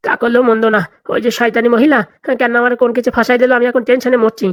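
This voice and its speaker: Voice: mid-range voice, little pitch movement, racing, no room sound, dull audio, lightly acted. A performer voicing an anxious, complaining older male tutor in a comedy cartoon, with a fretful, grumbling manner. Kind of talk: comic cartoon dialogue.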